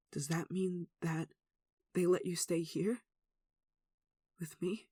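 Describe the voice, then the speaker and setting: Soft, earnest, devoted voice acted in intimate roleplay. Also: medium pitch, no room sound, clean studio sound, lightly acted. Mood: surprised, hopeful. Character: devout, tender human devoted to a gentle demon. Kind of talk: ASMR roleplay, one-sided dramatic dialogue.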